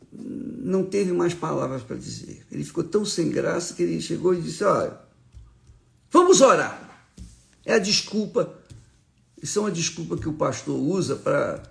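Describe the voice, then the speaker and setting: A man delivers a morning devotional sermon as a bishop. His delivery is unhurried and reflective, and a gravelly edge runs through his voice. He drops into soft murmured prayers now and then. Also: fairly high pitch.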